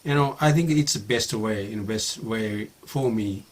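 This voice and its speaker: A man's voice: on the low side, moderate pace. A man in his fifties with a Japanese accent, a native Japanese speaker talking casually to his viewers, hesitant, with many fillers and restarts. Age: 50s. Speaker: YouTuber. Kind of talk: casual talk to camera.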